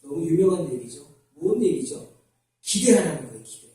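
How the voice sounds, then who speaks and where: A man's voice: a little high, sing-song, fairly quick, dark tone. A male pastor preaching a sermon, asking the congregation questions and answering them himself. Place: church sanctuary. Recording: very echoey church hall from far off.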